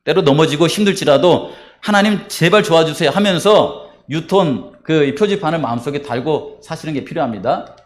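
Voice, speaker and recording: At a baptism service in a church sanctuary, a male pastor delivers a sermon and the baptism rite, putting questions to the congregation and answering them himself. His voice is on the high side and animated, at a normal speed with few pauses.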